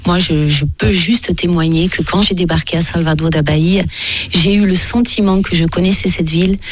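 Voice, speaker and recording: A woman's voice: on the low side, steady tone, normal speed. A woman singer, born in France with Portuguese as her first language, recounting her life story thoughtfully with frequent hesitations. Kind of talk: personal interview storytelling.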